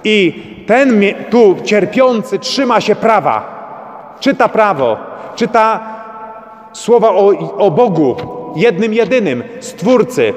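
A man's voice: high voice, very animated, slow pace. A man preaching a sermon as a priest, urging his listeners with repeated rhetorical questions. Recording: long church reverb.

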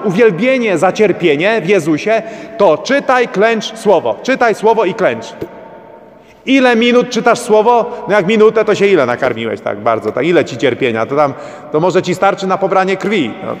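A man preaching a sermon as a priest, urging his listeners with repeated rhetorical questions. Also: high voice. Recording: long church reverb.

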